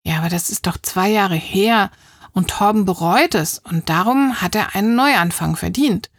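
A woman reading a children's audiobook, voicing a kind, earnest young mother with a gentle manner. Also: mid-range voice, normal speed, no room sound, clean studio sound, close to an everyday voice. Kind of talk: audiobook character voice.

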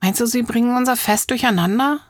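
Woman reading an earnest, gentle young mother. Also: fairly high pitch, a little fast, no room sound, studio quality, voice pushed up, lightly acted. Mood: puzzled. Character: earnest, kind young mother hosting a party. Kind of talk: audiobook character voice.

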